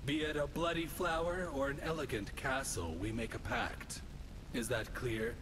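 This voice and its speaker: A man's voice: mid-range voice, steady tone, moderate pace, close to an everyday voice. A man playing a menacing, imperious aristocrat who strikes sinister bargains in a fantasy video game, with theatrical delivery. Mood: haughty menace. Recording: noisy amateur game capture.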